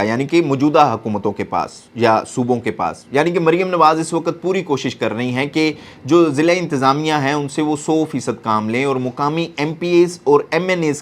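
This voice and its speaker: A man with a Pakistani accent giving earnest, explanatory political commentary, mixing in some English terms. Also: a little high.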